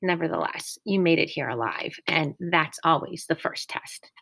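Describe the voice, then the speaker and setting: A woman voicing a kindly, wise old male teacher who speaks gently and formally. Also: sits low, animated, moderate pace, creaky, no echo, heavily acted. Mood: gentle.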